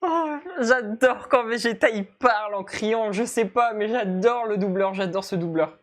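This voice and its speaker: A woman giving casual reaction commentary in an expressive, exclamatory, colloquial way, as a video host. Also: medium pitch, measured pace.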